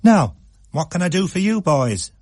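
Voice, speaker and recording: A stern middle-aged shopkeeper woman, her voice pitched well up and clipped short. She bites off her words with a sharp, snappish edge, performed by a man reading a radio story. The sound is close and dry. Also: big pitch swings, moderate pace, no room sound, exaggerated voice. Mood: brusque.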